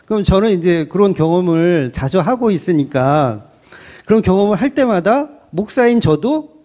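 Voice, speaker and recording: A man's voice: sits high, lively intonation, normal speed, mellow. A male pastor preaching a sermon in a conversational way, acting out quotes and putting questions to his listeners.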